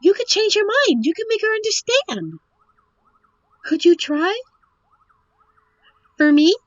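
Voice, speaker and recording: Casting: a woman acting girlish fantasy princess, earnest and pleading. Very high, swooping, unhurried delivery, dull dry audio-drama sound. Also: sing-song, no room sound, full character voice. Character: young sheltered princess, earnest, pleading, wistful.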